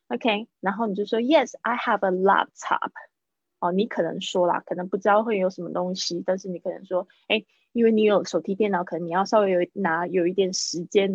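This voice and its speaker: A woman teaching English pronunciation in a live online lesson, switching between quick explanations and slow, drawn-out model phrases, repeating words several times to drill them. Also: medium pitch, breathy edge, dry recording, highs cut off. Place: indoors, streaming over video call.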